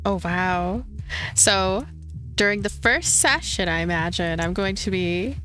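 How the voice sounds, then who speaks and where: Lady doing lets play commentary, chatty n kinda unsure, thinking out loud, soft music in back. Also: medium pitch, a little slow. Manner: tentative, rambling, thinking aloud. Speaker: let's play host. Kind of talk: casual game commentary. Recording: faint game music behind.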